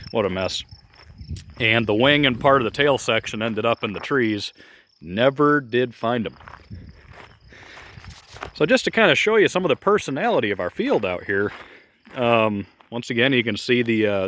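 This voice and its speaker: A man's voice: fairly low pitch, a bit bright, a little hiss or hum. A man casually narrating a walking tour outdoors at a grassy field, rambling and chatty with many fillers, recorded on a phone he holds while walking. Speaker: model airplane club member giving a field tour. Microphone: phone held while walking.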